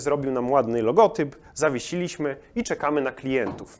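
In a normal speaking voice, the speaker moves at a moderate pace with ordinary pitch variation. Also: man. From Podlasie, eastern Poland. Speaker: veterinarian and clinic owner. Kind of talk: interview.

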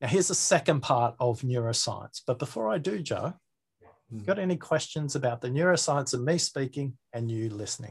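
Against a quiet background, a man with an Australian accent talks at a fairly quick pace, somewhat breathy and with lively intonation. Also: medium pitch for a man. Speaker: listening expert and speaker. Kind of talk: webinar talk. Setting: video call webinar.

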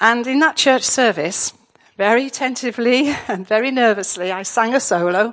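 A woman with an English accent, fairly slow pace and lively intonation. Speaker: church congregation member. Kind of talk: personal testimony. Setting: church.

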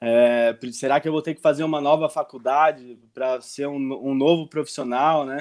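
A man with a fairly high pitch speaks at a moderate pace, with hardly any pauses. His intonation stays monotone and flat. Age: 20s. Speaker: composting entrepreneur. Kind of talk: casual interview.

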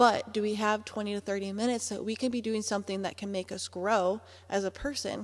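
A woman with a medium pitch is speaking. She moves at a fairly quick pace. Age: 30s. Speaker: podcast host. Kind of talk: casual solo podcast monologue. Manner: animated.

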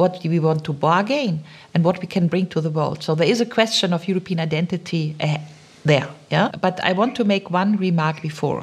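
A woman speaks at a fairly quick pace with a German accent, her pitch fairly low. Her voice is somewhat breathy, with ordinary pitch variation. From Germany. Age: 50s. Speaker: podcast host. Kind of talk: interview. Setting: remote call from home.

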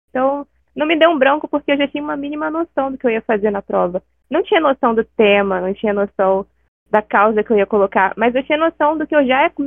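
An ordinary speaking voice from a woman, fairly quick and with lively intonation. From Brazil, Rio de Janeiro. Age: 20s. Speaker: student. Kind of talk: interview.

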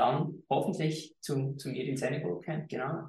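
A fairly high-pitched male voice with vocal fry. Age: 30s. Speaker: entrepreneur and ultra-endurance athlete. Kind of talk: interview. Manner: halting, many fillers.

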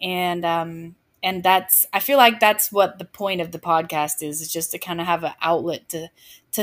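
A woman at medium pitch and moderate pace, with fairly even intonation, on a very clean recording with a silent background. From US South, Atlanta Georgia. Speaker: podcaster. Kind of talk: casual interview chat.

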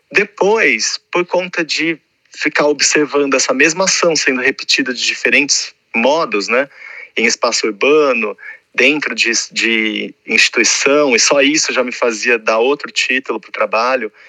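Intonation here is lively. The speaker has a plain, everyday voice. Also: man, fairly high pitch for a man, fairly slow pace. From western São Paulo state, Brazil. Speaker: artist. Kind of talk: interview.

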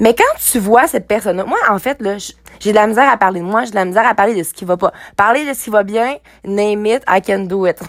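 Speaking with a Quebec accent, a woman with a fairly high pitch goes at a fairly quick pace with ordinary pitch variation. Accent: Québécois French. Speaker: podcaster. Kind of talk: casual monologue. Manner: animated.

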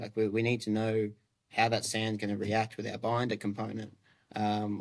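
Fairly quick and flat in a monotone, a man with an Australian accent speaks at a fairly low pitch. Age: 20s. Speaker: construction tech founder. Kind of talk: podcast interview. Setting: remote call.

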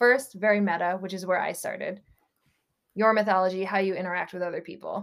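With a plain, everyday voice at medium pitch, a woman speaks in fairly even intonation over a silent background in a very clean recording. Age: 30s. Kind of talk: casual chat.

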